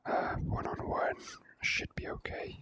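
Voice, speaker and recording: A person whispering relaxed, unhurried ASMR commentary while playing a video game.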